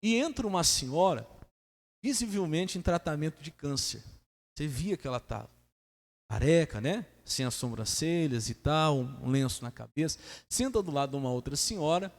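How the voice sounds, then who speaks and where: A man with a high-pitched voice preaches from a church pulpit, with a long reverb trailing every phrase. He tells his story in bursts, dropping to a near-murmur and then surging into loud rhetorical questions. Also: normal speed. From Brazil. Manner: animated, asks the congregation rhetorical questions, swings between hushed and loud. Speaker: pastor. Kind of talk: storytelling sermon. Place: church hall.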